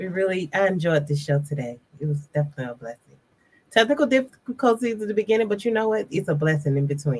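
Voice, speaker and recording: A woman's fairly low, somewhat breathy voice at a very fast pace with very wide pitch swings. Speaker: podcast co-host. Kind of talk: casual chat.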